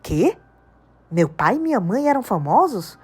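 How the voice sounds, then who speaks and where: A woman's voice: medium pitch, sing-song, unhurried, a little mellow, slightly rough, full character voice. A woman voicing a confused, anxious young boy who asks hesitant questions. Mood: bewildered.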